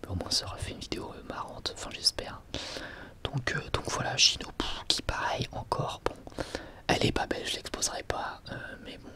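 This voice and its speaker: A male ASMR video host whispers a product review close to the microphone, his breathy, unvoiced delivery halting and wryly sarcastic.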